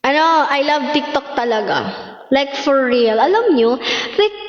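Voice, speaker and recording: A woman's voice: sits high, animated, normal speed. A young woman from the Philippines with a Filipino accent, chatting playfully with viewers on a livestream. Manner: playful, mixes English with Tagalog. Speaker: idol livestreaming to fans. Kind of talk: casual chat with viewers. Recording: echoey, dull livestream audio with faint music.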